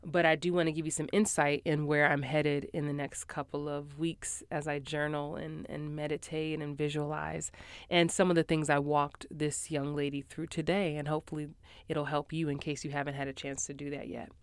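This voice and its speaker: A woman's voice: deep voice, level tone, moderate pace, smooth, no room sound. A woman hosting her podcast in casual chat, a little stuffy from a cold, upbeat with lots of fillers. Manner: chatty, upbeat, many fillers. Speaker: podcast host, actor coach. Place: small home voiceover booth in a former closet.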